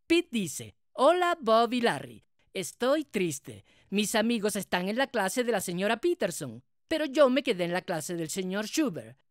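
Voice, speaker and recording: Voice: medium pitch, big pitch swings, measured pace, dry recording, clean studio sound. An actor voicing an earnest, easily flustered male tomato who politely hosts and narrates a cartoon show. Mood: friendly. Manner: polite, hesitant, explanatory. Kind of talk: cartoon hosting and story narration.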